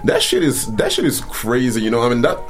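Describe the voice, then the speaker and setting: A man's voice: medium pitch, big pitch swings, fairly quick, soft background music. A man from Cameroon hosting a casual podcast chat, talking loosely with many fillers and restarts. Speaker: podcast host.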